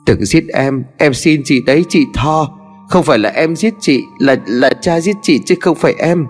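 A man's voice: lively intonation, normal speed, natural voice. A man voicing a terrified young daughter who begs in a raised, stammering voice, in a horror story with long reverb and faint music. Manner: higher, pleading, stammering.

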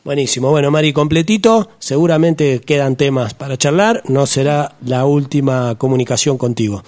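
A man's voice: mid-range voice, moderate pace, darkish tone. A man with an Argentine accent hosting a weekly radio show, asking questions and wrapping up in a friendly, easygoing way. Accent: Argentine Spanish. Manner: friendly, easygoing wrap-ups. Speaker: radio host. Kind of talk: casual radio presenting.

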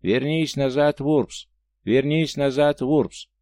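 A man voicing a croaking, bodiless messenger creature that slowly and mechanically repeats one order, as an audiobook character voice. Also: mid-range voice, dry recording, studio quality, pitched above the performer's own voice, lightly acted. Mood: droning command. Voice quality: croaking, quiet. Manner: slow mechanical repetition.

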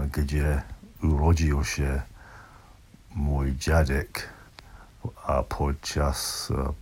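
Very deep, husky older man, English accent. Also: warm tone. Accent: English accent in Polish. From southern England. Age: 60s or older. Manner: halting, hesitant, with broken-off words and repeats. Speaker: language learner sending a recorded message. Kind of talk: unscripted personal voice message.

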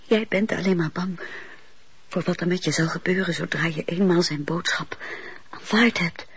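An actress playing a tender, earnest, fearful wife in a radio play, pleading in a halting, breathy way. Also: female voice, lowish voice. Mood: pleading, afraid. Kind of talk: Dutch radio play acting. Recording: dull, noisy old radio play tape.

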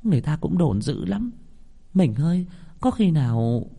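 Một người đàn ông giọng miền Nam đóng vai cô con dâu trẻ, giọng nhỏ nhẹ thủ thỉ, lo lắng. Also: male voice, fairly high pitch, very animated, normal speed, vocal fry, big-room sound, voice pushed up, heavily acted. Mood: worried. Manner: soft, confiding. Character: young daughter-in-law, soft and worried.

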